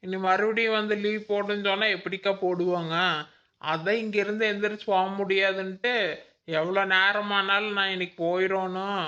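A man voicing a chatty, homely young village woman in a cartoon, complaining and explaining in a relaxed family way. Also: sits high, moderate pace. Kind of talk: cartoon voice acting. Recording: dull lo-fi recording.

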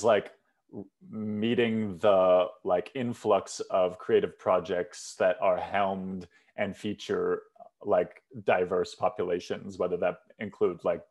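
A man's voice: low voice, darkish tone. A young man hosting an interview on a video call from his bedroom, asking rambling, thoughtful questions with lots of "like". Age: young adult. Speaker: host. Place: bedroom at home, indoors. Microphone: headset on a video call.

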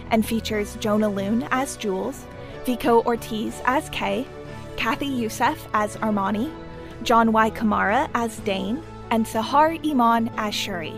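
A woman with a fairly high voice reads credits as an announcer. Her delivery is scripted, and music plays prominently underneath her. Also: measured pace.

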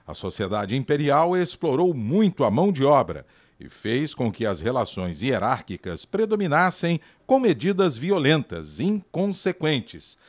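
Lively Brazilian male news narrator. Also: mid-range voice, unhurried. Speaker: news reporter.

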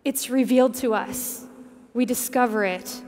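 A woman in her thirties, a religious sister, giving an inspirational keynote speech from an arena stage in a measured, earnest way with dramatic pauses. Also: on the high side, darkish tone. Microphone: headset mic at a podium. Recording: long arena reverb.

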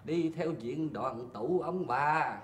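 A stingy old husband. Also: male voice, a little high, slow. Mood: teasing. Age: older. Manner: drawling, mock-tender, grumbling about cost. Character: stingy old husband, penny-pinching and teasing. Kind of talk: stage comedy sketch. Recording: roomy stage recording, faint noise.

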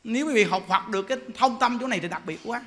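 A man's voice: sits high, very fast, fairly bright tone. A man in his forties with a Southern Vietnamese accent, a monk giving a humorous Buddhist sermon, chatty, laughing often and firing rhetorical questions at his listeners. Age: 40s. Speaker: monk giving a Dharma talk.

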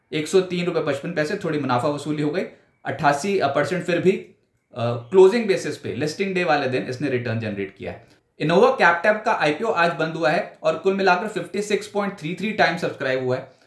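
A man in his forties anchoring a stock market roundup, talking briskly and with emphasis. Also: on the high side, fairly bright tone, echoey room. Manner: brisk, emphatic delivery with hand gestures. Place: indoor studio before a branded backdrop.

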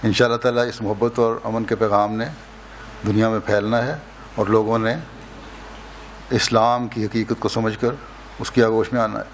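An older man delivering a slow, measured sermon at a lectern microphone during a mosque opening, pausing often between phrases. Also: lowish voice, little pitch movement, a little hiss or hum. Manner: slow, measured, solemn delivery with long pauses. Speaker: religious leader giving an address. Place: indoors, mosque hall lectern. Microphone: lectern microphone, close.

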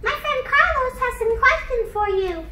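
A woman's voice: very high-pitched, lively intonation, normal speed, pushed and bright, full character voice. A woman voicing a cheerful, friendly little girl puppet in a children's show. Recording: very noisy, distant, echoey room.

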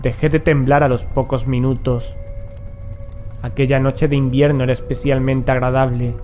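An actor playing a grave, determined investigator in a horror audio drama, speaking solemnly. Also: male voice, medium pitch, little pitch movement, moderate pace, warm tone, soft background music, natural voice. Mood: solemn, haunted. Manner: solemn, foreboding.

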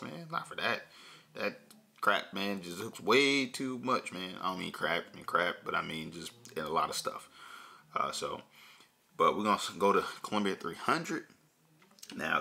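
A man's voice: rumbling low, creaky, bright, forceful tone. A young man hosting a bowling channel, chatting casually at home with a laid-back, rambling manner and many fillers. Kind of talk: casual review chat. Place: home room with shelves, indoors.

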